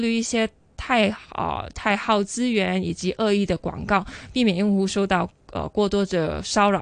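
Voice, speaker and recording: Against a quiet background, a woman speaks with a Hong Kong accent. Her pitch is medium, with ordinary variation. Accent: Hong Kong Cantonese-accented Mandarin. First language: Cantonese (speaking Chinese). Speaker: tech industry association director. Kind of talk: casual chat. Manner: halting, many fillers.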